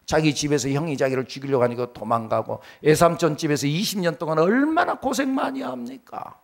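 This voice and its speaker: A middle-aged male pastor preaching a sermon, swinging between loud emphatic lines and hushed low ones, acting out quoted voices. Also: lively intonation, fairly quick, creaky. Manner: acts out quoted voices in dialogue.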